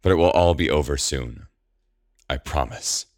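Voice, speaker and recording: A man voicing a menacing, mocking sorceress with a quick temper in a theatrical, emphatic audiobook style. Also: extremely low pitch, dry recording. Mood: condescending.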